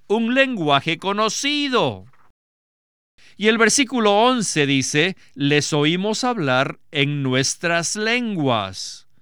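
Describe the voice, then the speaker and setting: A man giving a scripted Bible exposition as a teacher, reading in a measured, emphatic way. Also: fairly high pitch, sharp tone, clear, resonant tone, no echo, clean studio sound.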